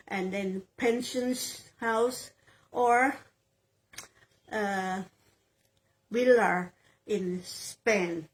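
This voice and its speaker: A woman in her sixties from Thailand with a Thai accent, a real estate sales agent answering interview questions in halting English, often repeating phrases as she looks for words. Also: fairly high pitch, rough recording. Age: 60s.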